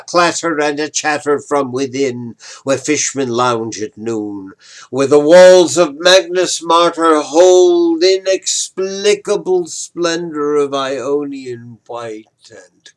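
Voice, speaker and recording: Older man reciting poetry, slow and theatrical. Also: on the high side. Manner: theatrical, deliberate, with hushed drops and emphatic swells. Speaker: poetry reader, retired professor.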